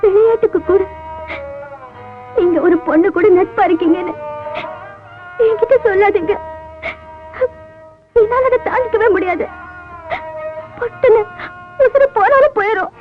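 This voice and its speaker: A woman's voice: extremely high pitch, unhurried, pauses often. An actress playing a poor young village woman, a devoted and jealous lover who speaks in an emotional, pleading way. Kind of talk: Tamil film melodrama acting. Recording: tinny old film soundtrack with music.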